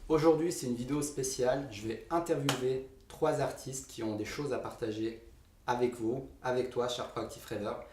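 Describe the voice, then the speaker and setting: A man's voice: mid-range voice, fairly even intonation, moderate pace, recorded from a distance. A man hosting a casual interview, friendly and hesitant, with frequent fillers. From Moroccan heritage. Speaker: interviewer, channel host. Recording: roomy, off-mic, light hiss.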